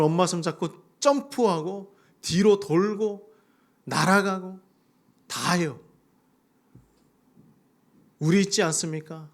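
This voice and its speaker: Male pastor preaching, highish voice that swings up and down a lot, acts out prayers loud. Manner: animated preaching, acting out prayers in a raised voice. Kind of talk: sermon. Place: church sanctuary.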